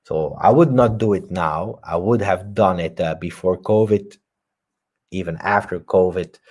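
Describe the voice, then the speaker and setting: A man's voice: deep voice, a little slow, a little mellow. A man hosting a live post-match football reaction stream, talking emphatically and reading viewer comments aloud. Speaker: football channel host.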